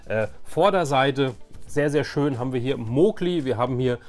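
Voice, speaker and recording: A man's voice: medium pitch, lively intonation, normal speed. Middle-aged man chatting casually over music. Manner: rambling, conversational. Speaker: nostalgia video host. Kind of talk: casual nostalgic show-and-tell.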